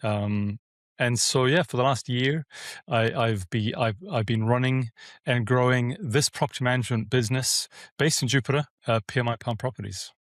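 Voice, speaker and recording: A man's voice: medium pitch, moderate pace, no echo. Man, dry interview voice. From South Africa. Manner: rambling with many restarts and fillers. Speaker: guest, property management business owner. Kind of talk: casual interview answers.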